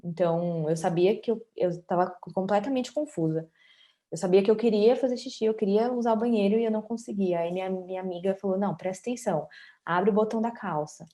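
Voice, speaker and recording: A woman's voice: mid-range voice, fast, warm tone. A woman in her late twenties with a Brazilian Portuguese accent, telling her own story candidly and conversationally as an interview guest. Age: 20s. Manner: candid, conversational, often adds tag questions.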